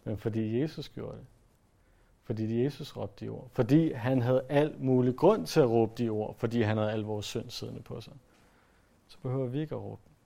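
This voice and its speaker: A man preaching a sermon in an earnest way, pressing his points hard and then letting his voice fall soft. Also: mid-range voice, creaky. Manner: earnest, rises to emphatic then drops to soft.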